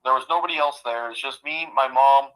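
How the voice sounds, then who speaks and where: A man of fifty telling a heartfelt personal story in a halting way, often repeating himself. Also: mid-range voice, fairly bright tone, rough recording. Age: 50s. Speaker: guest.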